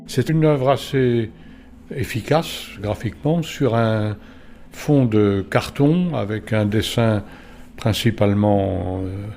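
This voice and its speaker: A man giving unscripted art commentary, explaining in a measured way with pauses between short phrases. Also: lowish voice, a little mellow, a little hiss or hum.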